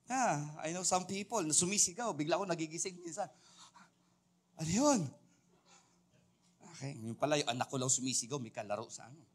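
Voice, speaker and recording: A man's voice: on the high side, quick pace, hardly any pauses. A man preaching a sermon as a pastor, playful and joking as he quizzes his congregation. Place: church service.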